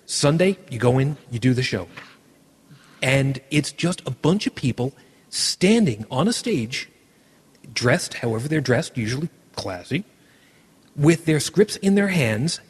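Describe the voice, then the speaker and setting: Excited man in a reverberant room. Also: on the high side, husky. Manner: enthusiastic, animated, restarts often. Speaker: podcast host. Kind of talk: casual chat.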